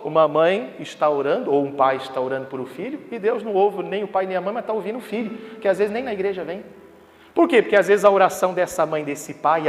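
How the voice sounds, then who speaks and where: High-voiced preacher in an echoey church. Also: male voice. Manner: emphatic, asks the congregation rhetorical questions. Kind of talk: sermon. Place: church hall. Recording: echoey hall with background ambience.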